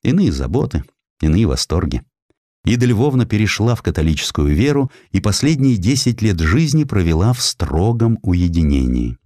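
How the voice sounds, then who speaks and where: A man reading a historical essay as a dramatic audiobook narrator, with expressive, measured literary phrasing into a close studio mic. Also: on the low side, no room sound. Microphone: close studio microphone.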